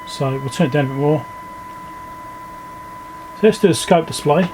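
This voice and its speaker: A man with a fairly high voice talks through repair work in an informal, think-aloud way. He sounds like a video host explaining each step at his bench, with some noise in the recording. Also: moderate pace, a little mellow, rough recording. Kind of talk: casual hands-on repair walkthrough. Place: indoor electronics workbench.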